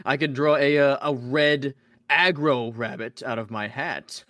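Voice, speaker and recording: A man's voice: mid-range voice, fairly bright tone, no room sound, studio quality, natural voice. A man putting on a cheesy stage magician with a weird accent. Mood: showy. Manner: halting, drawn-out showman patter with many uhs. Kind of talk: podcast banter, comic impression.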